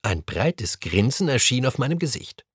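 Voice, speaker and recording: Man, storyteller, very lively pitch, slightly husky, dry close mic. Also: moderate pace, no echo. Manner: animated, expressive reading. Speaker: story reader. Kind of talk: reading a story aloud.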